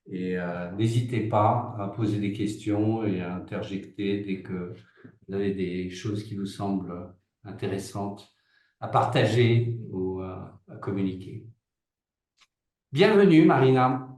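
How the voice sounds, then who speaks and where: A man's voice: low voice, little pitch movement, a little slow, darkish tone. Hesitant man in a roomy, distant recording. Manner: hesitant, stop-and-start delivery. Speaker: webinar host. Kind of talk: informal introduction of a guest. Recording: roomy echo, far from microphone.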